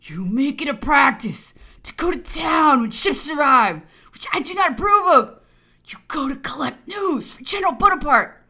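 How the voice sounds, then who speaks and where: A woman's voice: mid-range voice, fast talker, vocal fry, a bit bright, breathy edge, exaggerated voice. A woman voicing an angry, menacing, domineering British colonial governor in a dramatized memoir audiobook, imperious and accusatory. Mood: accusing.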